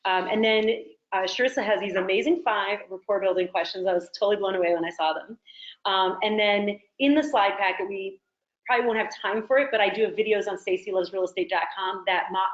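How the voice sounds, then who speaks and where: A woman's voice: mid-range voice, quick pace, echoey room, dull audio. A woman from New York teaching a live real estate workshop, chatty and quizzing her audience. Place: training room with a small audience.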